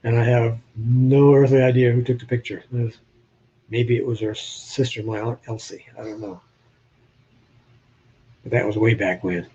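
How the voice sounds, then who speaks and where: A man's voice: medium pitch, steady tone, moderate pace, pauses often, warm tone, lo-fi sound, a little hiss or hum. An older man from New Hampshire with a slight Southern drawl, chatting casually with viewers on a live stream and joking as he shows old photos. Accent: Southern US with New England traces.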